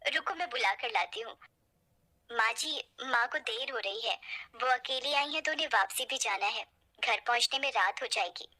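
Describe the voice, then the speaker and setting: A woman voicing a gentle, devoted young bride in a spoken storybook tale, talking in a caring way. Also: a little high, moderate pace. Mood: polite.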